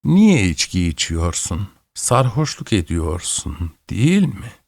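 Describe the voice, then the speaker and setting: A man voicing a stern, pious old woman who scolds and preaches slowly. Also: low-pitched, sing-song, gravelly, darkish tone, no echo, heavily acted. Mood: lecturing. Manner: slow, scolding, sermonizing.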